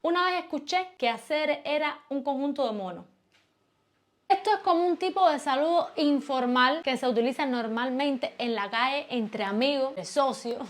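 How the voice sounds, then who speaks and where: Cuban woman vlogger, high-pitched, teasing and quick. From Cuba. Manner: playful, fast, teasing, lively. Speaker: YouTuber. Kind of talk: casual vlog to camera. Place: at home.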